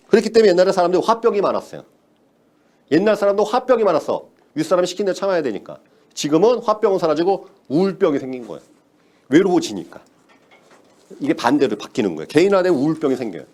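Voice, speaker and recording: A man's voice: a little high, darkish tone. A man giving a motivational sales lecture, emphatic, repeating key words and asking the audience rhetorical questions.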